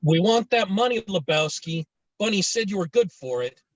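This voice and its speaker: A man's voice: high-pitched, lively intonation, normal speed, no echo. A man playing a threatening, demanding debt-collecting thug in a screenplay table read. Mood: aggressive demanding. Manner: threatening, demanding, foul-mouthed. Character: menacing thug shaking down a debtor. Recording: dull, muffled online-call audio.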